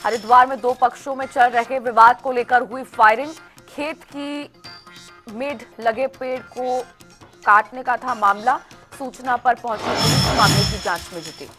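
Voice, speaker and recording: A woman news anchor reading a headline bulletin in a brisk delivery. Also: on the high side, bright, forceful tone. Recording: faint music bed behind.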